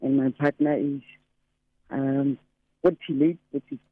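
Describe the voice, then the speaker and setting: A woman in her thirties with a deep voice, calling a radio show and mixing English with Zulu. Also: steady tone, measured pace, husky, no room sound. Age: 30s. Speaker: caller. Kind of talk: phone-in call to a radio show. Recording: tinny phone line, dry.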